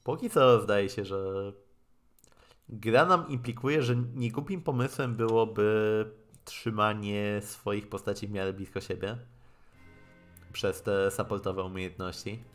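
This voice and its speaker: A man with a Polish accent on a live game stream, haltingly translating dialogue aloud and commenting casually. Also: fairly low pitch. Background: game music.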